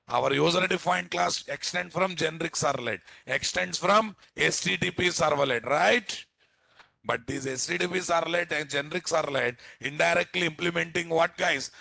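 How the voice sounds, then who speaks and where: A man with a Telugu Indian accent teaches programming in an informal technical lecture, frequently tossing rhetorical check questions to his listeners. His voice is fairly high, creaky, and bright, with a forceful tone and no echo.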